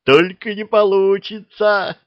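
A man voicing the giddy left head of a three-headed dragon in a storybook reading, giggling and high. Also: expressive, slow, no room sound, lo-fi sound.

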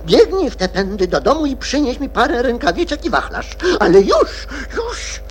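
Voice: medium pitch, sing-song, moderate pace, faint music behind, lightly acted. An actor playing an imperious, flustered white rabbit master who scolds impatiently in a theatrical children's radio play. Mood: impatient, ordering.

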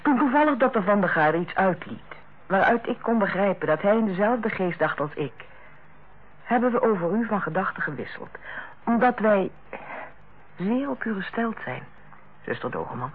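An actress in a Dutch radio play as a female hospital director, authoritative yet kindly, speaking in a measured, formal and persuasive way. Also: mid-range voice, expressive, husky. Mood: tactful, measured. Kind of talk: Dutch radio drama acting. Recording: muffled, band-limited old radio recording.

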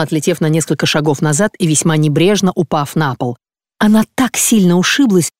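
An audiobook narrator reading classic prose in a measured, even storytelling manner. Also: mid-range voice, no room sound, studio quality. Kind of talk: scripted literary narration.

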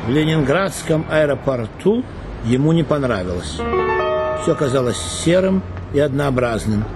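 Male actor, literary reading, measured storytelling, deliberate pauses, mid pitch, music underneath. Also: lively intonation. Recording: reading over background music.

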